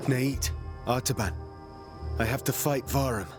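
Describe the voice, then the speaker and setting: Young male game hero, played by a man: determined and loyal, mid-pitched, over prominent music. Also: a little slow, lightly acted. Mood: resolute. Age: young adult. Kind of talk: video game voice acting.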